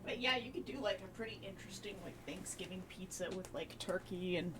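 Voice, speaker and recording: A woman's voice: mid-range voice, quick pace, over music. A woman streamer chatting casually in a laid-back, rambling way during a live stream. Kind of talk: casual livestream chat.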